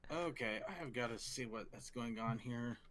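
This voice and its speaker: A bright-toned man joins a casual stream chat as co-host. He is chatty and quick to joke, with keyboard typing sometimes heard behind him. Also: medium pitch, a little hiss or hum.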